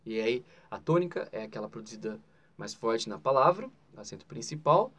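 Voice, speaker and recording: A man's voice: medium pitch, lively intonation, normal speed, fairly bright tone. A man with a Brazilian Portuguese accent giving a grammar lesson in an explanatory way, often adding "né?" and leaning hard on key terms. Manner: explanatory, with frequent "né?" asides and spoken emphasis. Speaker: teacher.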